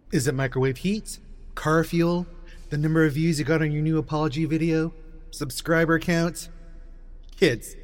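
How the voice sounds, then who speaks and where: A young man voicing an arrogant teenage inventor in a radio play, his voice pitched high and full of grand swoops. He speaks pompously, as if everything he says is a great revelation. The sound carries a long hall reverb with faint music underneath. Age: young adult. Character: arrogant teen boy inventor, pompous and ranting. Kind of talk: audio drama acting.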